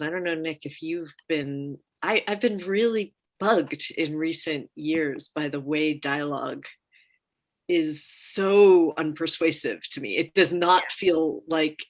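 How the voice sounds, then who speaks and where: A woman speaking as a panelist in an informal discussion, deliberate and halting as she thinks aloud. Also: low voice.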